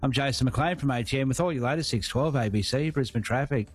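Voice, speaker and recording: An Australian man delivering a radio traffic report in a smooth, steady manner. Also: medium pitch, fast talker.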